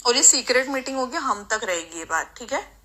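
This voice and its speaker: A woman's voice: fairly high pitch, expressive, brisk, pushed and bright. A woman speaking casually on a recorded phone call, insistent and persuasive. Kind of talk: casual private phone conversation.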